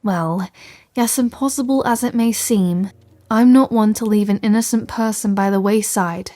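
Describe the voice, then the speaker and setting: A woman's voice: medium pitch, normal speed, warm tone, lightly acted. Articulate, caring woman wizard played by an actress. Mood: thoughtful, resolute. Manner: articulate, bookish, reassuring. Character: capable, caring scholarly female wizard shopkeeper. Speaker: audio roleplay performer. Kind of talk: ASMR fantasy roleplay acting, addressing the listener.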